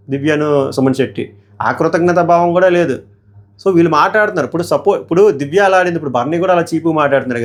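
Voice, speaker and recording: A young man with a slightly high voice, hoarse from shouting, argues his points hotly. He fires questions straight at his viewers and presses his opinions hard. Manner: heated, argumentative, asks viewers questions. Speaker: show reviewer. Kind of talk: opinionated episode review.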